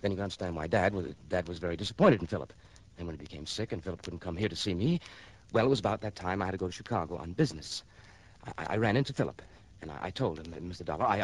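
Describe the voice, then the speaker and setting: A man's voice: lowish voice, a little mellow. An actor playing a nervous, stammering man in his thirties in a 1960s radio drama. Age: 30s. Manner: stammering, jittery, repeating words. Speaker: client's brother.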